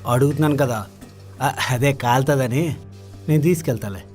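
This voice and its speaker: A man's voice: mid-range voice, moderate pace, soft background music, close to an everyday voice. An actor playing a short-tempered young husband in a short film, chatting at dinner, then snapping at his wife. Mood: casual. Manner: casual at the table, then shouting in irritation.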